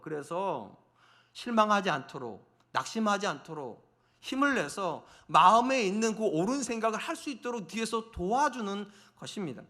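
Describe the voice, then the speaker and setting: A middle-aged male pastor preaching a sermon, talking straight to the congregation and acting out the people he quotes. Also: high voice. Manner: animated preaching, acts out quoted voices, addresses congregation directly. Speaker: senior pastor.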